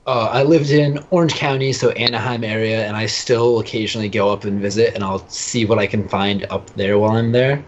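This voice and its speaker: A man with a fairly low voice answers casually as a podcast guest. The sound is muffled and lo-fi. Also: fairly even intonation, brisk, hardly any pauses. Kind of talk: casual chat. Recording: dull, lo-fi voice connection.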